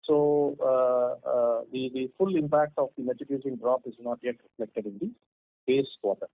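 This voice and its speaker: A man's voice: medium pitch, normal speed, no room sound. A man, a company executive, answering analyst questions on an earnings call, hesitant with many fillers and restarts. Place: conference call over phone. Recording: tinny phone line.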